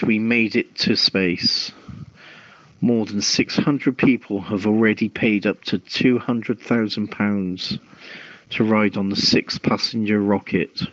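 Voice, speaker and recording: A man hosting an online radio show, reading news and chatting in a measured, halting way. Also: lowish voice, no room sound. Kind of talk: reading news aloud, then informal hosting chat. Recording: muffled, lo-fi dry audio.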